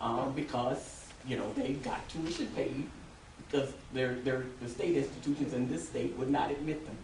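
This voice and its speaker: Against noticeable background noise and audible room echo, a man speaks slowly with a fairly high pitch and lively intonation. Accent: American. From North Carolina (Wilmington). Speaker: audience member. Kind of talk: group discussion.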